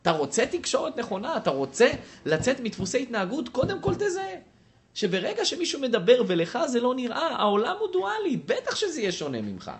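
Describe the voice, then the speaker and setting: Man, husky voice, wildly swinging pitch, lecturing a class, questions to the audience. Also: wildly swooping pitch. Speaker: teacher.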